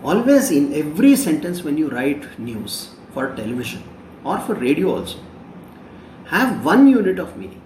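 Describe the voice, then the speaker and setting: Indian english prof in his 50s lecturing, voice a bit high and bouncy, roomy echo, mic kinda far. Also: sing-song, moderate pace, darkish tone, slight background noise. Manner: explanatory, repeats key phrases, asks rhetorical questions. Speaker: journalism professor. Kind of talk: classroom lecture.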